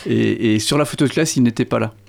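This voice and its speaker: Middle-aged male author, gravelly, hesitant, restarts often; grew up speaking Lorraine Franconian. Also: medium pitch, fast, a little mellow. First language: Lorraine Franconian (Platt). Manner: hesitant, many restarts and fillers. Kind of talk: literary interview.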